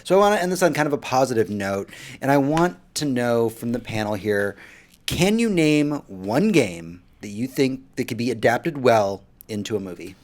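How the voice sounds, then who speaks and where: A man's voice: mid-range voice, animated, moderate pace. A man moderating a casual panel discussion as podcast host, summing up points and putting questions to guests.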